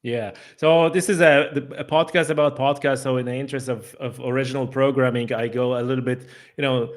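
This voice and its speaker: A man's voice: mid-range voice, steady tone, brisk. A man from Poland, speaking English with a Polish accent as a guest in a casual interview, talking easily with frequent fillers and restarts. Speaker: podcast guest.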